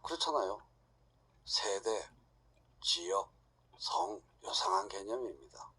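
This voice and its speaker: A middle-aged man lectures an audience, bluntly firing rhetorical questions. His voice is husky, and his pitch rises and falls widely and lively. He speaks directly and without hesitation. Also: slow.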